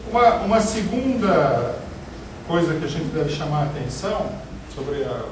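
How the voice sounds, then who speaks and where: A middle-aged man with a Brazilian Portuguese accent giving a political lecture in a small meeting room, speaking in a measured way with many pauses and restarts. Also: fairly high pitch, big pitch swings. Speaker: party leader giving a lecture. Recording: echoey room, picked up from a distance, noisy.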